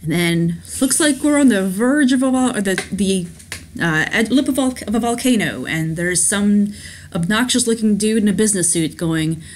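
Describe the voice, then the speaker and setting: A let's play host sits at her laptop at home, reading a story game's text aloud and raving about it in a chatty, giggly, enthusiastic way, sometimes restarting her sentences. She speaks at a medium pitch and moderate pace, and a little hiss or hum can be heard.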